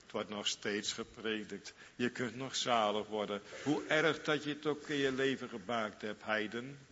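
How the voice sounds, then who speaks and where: A man's voice: fairly low pitch, moderate pace, sharp tone, long reverb tail, highs cut off, a little hiss or hum. A man preaching a sermon, fervent and repetitive, lingering on each phrase.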